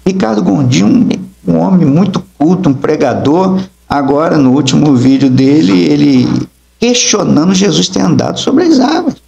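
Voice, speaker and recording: Middle-aged male preacher, gravelly voice, emphatic testimony, acted-out dialogue, interview. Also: a little high, animated, moderate pace, mellow, highs cut off. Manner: emphatic storytelling, acts out dialogue. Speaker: apostle, guest preacher.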